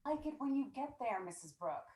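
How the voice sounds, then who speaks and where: A woman's voice: sits high, sing-song, fairly quick, a little mellow. A woman reading a psychiatric nurse who manages her patients, in a screenplay table read. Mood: gentle, coaxing. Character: polite, coaxing female psychiatric nurse.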